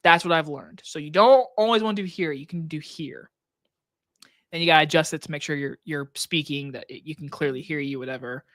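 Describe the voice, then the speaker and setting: Hoarse man streaming from his desk. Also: fairly high pitch, fairly quick, fairly bright tone, no echo, studio quality. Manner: loose, rambling talk with many likes and restarts. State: hoarse, scratchy throat. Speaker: movie reviewer and channel host. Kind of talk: casual live stream Q&A. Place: home desk setup. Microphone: desk microphone on a boom arm.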